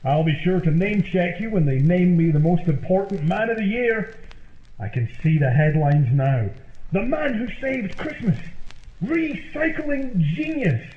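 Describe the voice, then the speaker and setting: Radio comedy flatmate, male actor as grandiose deluded artist, high swooping voice, pompous delivery. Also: measured pace. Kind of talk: old-time radio comedy acting. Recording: tinny, roomy lo-fi radio sound with hiss.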